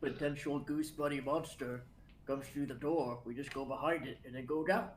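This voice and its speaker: A man's voice: medium pitch, steady tone, moderate pace. Guy playing tabletop, echoey mic with some noise, casual talk. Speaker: tabletop game player. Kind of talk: casual in-game chat.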